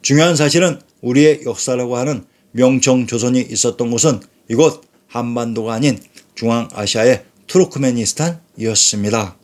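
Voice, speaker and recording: A man's voice: mid-range voice, moderate pace. A man giving a scripted narration on history, steadily reading quoted passages in a lecturing manner. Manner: steady lecturing delivery, reading quotations aloud. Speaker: channel narrator.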